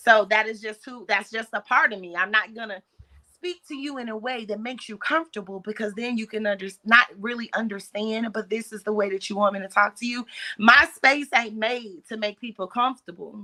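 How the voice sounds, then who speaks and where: A woman's fairly high, animated voice in a Louisiana accent, fairly quick, with ordinary pitch variation and big swings in loudness. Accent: Southern US, Louisiana country. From northern Louisiana, US South. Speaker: small business owner, tumbler maker. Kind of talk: casual interview chat.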